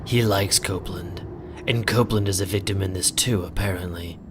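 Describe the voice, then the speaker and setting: An actor playing a terse, brooding young master in an audio drama, with a controlled manner. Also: male voice, sits low, steady tone, brisk, natural voice. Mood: tense brooding. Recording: faint background ambient noise.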